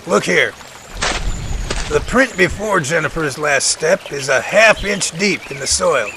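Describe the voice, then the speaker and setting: A man acting as a confident, methodical professor in an audio drama, explaining things precisely and deliberately. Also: high voice, vocal fry, noisy background, heavily acted. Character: confident, methodical male professor tracking a sasquatch.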